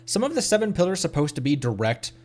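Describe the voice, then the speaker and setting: A man's voice: on the high side, very animated, fast talker, a little mellow. A man doing casual live game commentary as a streamer, hesitantly thinking aloud. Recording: faint background noise.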